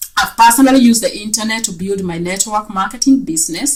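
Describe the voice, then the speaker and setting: Amid noticeable background noise, a woman talks with a Kenyan accent at a fairly high pitch. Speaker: network marketing trainer. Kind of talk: webinar training. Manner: hesitant fillers (uh).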